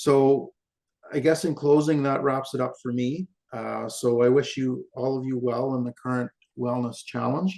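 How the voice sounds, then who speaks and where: With a Canadian prairie accent, a man talks at a moderate pace in a medium-pitched voice of dark, mellow tone and fairly even intonation. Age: 60s. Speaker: retiree sharing wellness testimonial. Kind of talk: prepared talk on a video call. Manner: halting, many fillers.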